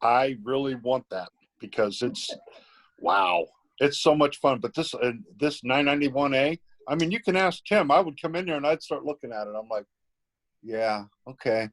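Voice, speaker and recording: A man's voice: mid-range voice, moderate pace, a bit bright, no room sound. A man with a mid-range voice chats in an eager, enthusiastic way. The sound is dry, and his style is informal and conversational. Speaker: newly tested amateur radio hobbyist. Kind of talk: casual chat.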